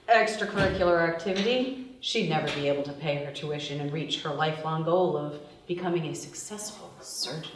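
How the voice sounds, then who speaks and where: A woman's voice: on the low side, natural voice. A woman reading the part of a brash, ruthless young jewel thief in her twenties, sardonic and foul-mouthed, at a screenplay table read. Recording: roomy, distant mic, faint noise.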